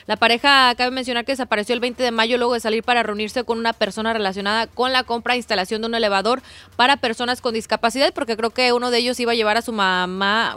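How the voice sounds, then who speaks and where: A woman's voice: on the high side, fairly bright tone, no room sound. Chatty woman reading news. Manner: chatty, adds remarks to the news. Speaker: news co-host. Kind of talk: reading news in casual chat.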